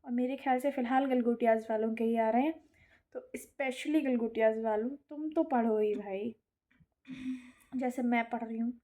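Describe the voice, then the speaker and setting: A young woman talks casually into her camera for a daily vlog. Her voice sits a little high, and she is chatty and self-mocking. She drops English words into her sentences. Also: normal speed, mellow. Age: young adult. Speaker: vlogger.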